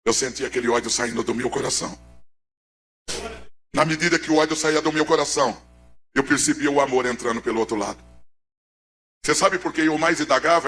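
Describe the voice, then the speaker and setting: A Pernambucan man preaching his own testimony, his voice a touch high for a man. He swings from quiet, low passages to shouted peaks, with faint music under him. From Pernambuco, Brazil. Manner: dramatic, swings from hushed to shouting. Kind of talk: emotional church testimony.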